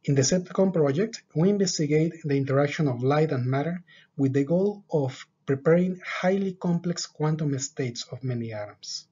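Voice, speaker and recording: A middle-aged man presenting his lab's research in a measured, deliberate way from an office with a whiteboard, recorded on a webcam. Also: on the high side, warm tone, breathy edge, dull audio. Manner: measured, deliberate delivery with occasional filler pauses. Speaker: lab director giving a research overview. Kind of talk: scripted presentation.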